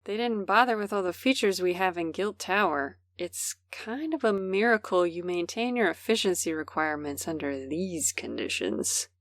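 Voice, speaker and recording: A woman's voice: lowish voice, lively intonation, moderate pace, hardly any pauses, no echo. A woman playing a poised, courteous, faintly condescending character with formal, polished speech in an audio drama. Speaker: voice actor.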